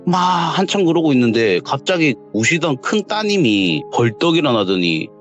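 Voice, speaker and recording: A man's voice: mid-range voice, big pitch swings, normal speed. Man telling a ghost story. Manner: casual, conversational, quietly dramatic. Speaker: guest storyteller. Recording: lo-fi audio with faint music.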